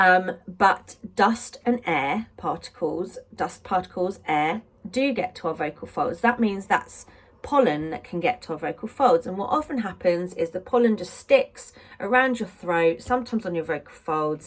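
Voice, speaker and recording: In an English accent, a woman talks at medium pitch and a moderate pace with lively intonation. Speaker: vocal coach. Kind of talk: tutorial. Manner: casual, chatty.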